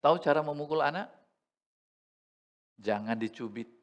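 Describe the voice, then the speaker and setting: A man's voice: fairly high pitch, moderate pace. A man preaching a Sunday sermon as pastor in a church service, talking conversationally with humor and asides to the congregation.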